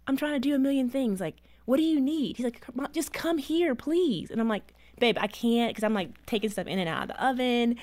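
A woman's voice: mid-range voice, no room sound. Earnest storytelling mother, dry sound. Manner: earnest storytelling, emotional at times. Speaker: guest, author and mother. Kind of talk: interview conversation.

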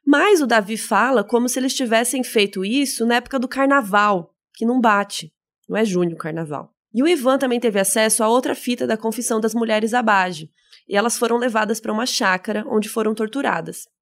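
Female podcast co-host, somewhat high pitch, conversational and explanatory. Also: brisk. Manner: chatty, explanatory asides. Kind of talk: casual true-crime retelling.

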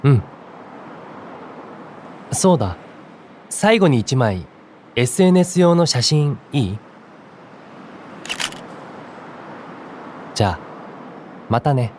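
An actor playing a kind, composed young male idol in an audio drama, speaking as a friendly, encouraging senior with gentle wording. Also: medium pitch, sing-song, slow, pauses often, slight background noise. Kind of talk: Japanese audio drama acting.

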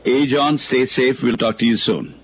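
Male talk-radio expert, South Asian accent, medium pitch, conversational and halting, slight background noise. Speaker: legal expert and author on a radio call-in show.

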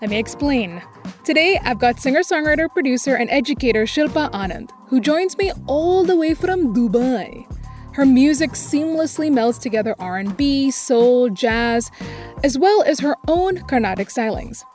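A woman's voice: sits high, lively intonation, moderate pace, darkish tone, soft background music. A woman hosting a podcast, introducing her guest and asking questions in a playful, upbeat way. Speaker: podcast host. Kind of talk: podcast interview.

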